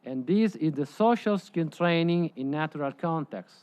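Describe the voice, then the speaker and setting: Man presenting in halting non-native English. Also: on the high side, lively intonation, a little mellow, clear, resonant tone. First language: Italian. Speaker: presenter at a conference side event. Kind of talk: prepared presentation.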